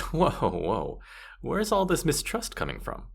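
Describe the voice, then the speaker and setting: A man's voice: a little high, huge pitch swings, slow, vocal fry, breathy edge, full character voice. A man playing a playful, boastful spirit guide of the afterlife in a fantasy audio roleplay, with teasing, theatrical, mock-sympathetic delivery. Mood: mock offended.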